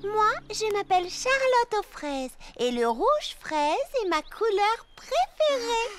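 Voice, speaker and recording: Casting: sweet, patient little-girl cartoon heroine, very high voice, prominent music underneath. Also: big pitch swings, slow, heavily acted. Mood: friendly. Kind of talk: French children's cartoon dub.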